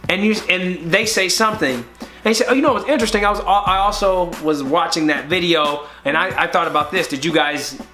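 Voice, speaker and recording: A young man with a fairly high, bright voice co-hosts a podcast and gives casual dating advice. He talks in a relaxed way, stumbles and repeats words, and slips into little acted-out dialogues. Faint music plays under his voice. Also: a little fast. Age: young adult. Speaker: podcast co-host.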